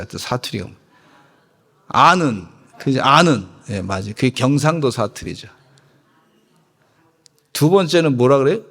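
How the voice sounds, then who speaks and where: A man's voice: mid-range voice, vocal fry. A male pastor giving a sermon, joking with the congregation and having them repeat phrases after him. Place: church sanctuary. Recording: echoey church hall.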